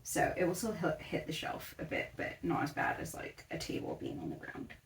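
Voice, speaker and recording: A woman's voice: low voice, huge pitch swings, moderate pace, distant mic. A young woman vlogger chatting casually in her bedroom while she tidies, rambling and correcting herself as she goes. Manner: rambling, self-correcting, talks while tidying. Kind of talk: casual chatty vlog narration.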